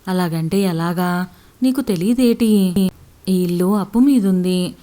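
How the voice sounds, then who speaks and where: A woman voicing an anxious laborer husband who slowly pleads and coaxes his wife. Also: lowish voice, mellow. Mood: pleading. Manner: pleading, coaxing, slow.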